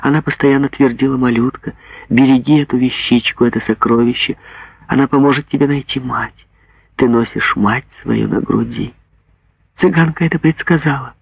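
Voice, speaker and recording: A man voicing a frightened young gypsy girl in an audiobook, pleading in a husky voice. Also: medium pitch, moderate pace, dry recording, voice pushed up. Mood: tender. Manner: breathless, pleading. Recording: dull lo-fi dry recording.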